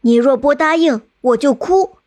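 A woman's voice: high voice, normal speed, darkish tone, pitched above the performer's own voice, natural voice. A woman voicing a small, stubborn male frog who earnestly insists on a marriage. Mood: insistent.

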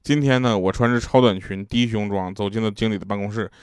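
A man's voice: on the low side, steady tone, fast talker, clear, resonant tone, no echo, clean studio sound. A man telling jokes and funny anecdotes in a chatty way, laughing at his own punchlines. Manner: casual slangy asides to the listener.

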